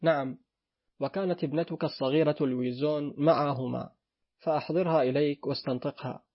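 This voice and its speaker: A man voicing a scheming wife who confides a warning to her husband, in a husky voice. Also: a little high, steady tone, a little fast. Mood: confiding. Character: scheming stepmother wife, sweet-talking. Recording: dull lo-fi recording.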